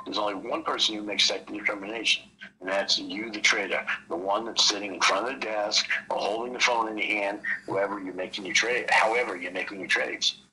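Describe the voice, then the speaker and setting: A man's voice: lowish voice, fairly even intonation, fairly quick, sharp tone, slight background noise, rough recording. A man explaining trading casually on a call, rambling and leaning on "you know" between thoughts. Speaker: trading mentor.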